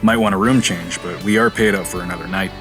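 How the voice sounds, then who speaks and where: Actor as guarded melancholy guy, deadpan and terse, lowish voice, audio drama with faint music. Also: quick pace, lightly acted. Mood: deadpan, dry. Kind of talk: naturalistic audio drama acting.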